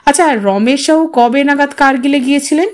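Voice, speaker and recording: A woman voicing a brisk, pushy male television reporter who questions with professional insistence in an audio story. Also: high voice, lightly acted.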